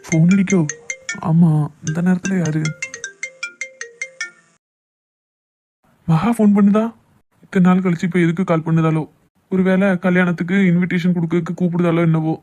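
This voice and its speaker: Man acting a fast-talking, hurt young Tamil lover. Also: high voice, little pitch movement, mellow, faint music behind, natural voice. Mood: anxious brooding. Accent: southern Tamil Nadu Tamil. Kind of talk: amateur cartoon love drama voice acting.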